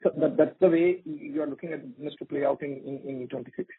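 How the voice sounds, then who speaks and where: A man's voice: on the high side, fairly even intonation, fast, breathy edge, no echo. A man with an Indian accent, an analyst asking questions on a conference call and often repeating his words. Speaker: financial analyst caller. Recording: dry narrowband phone line.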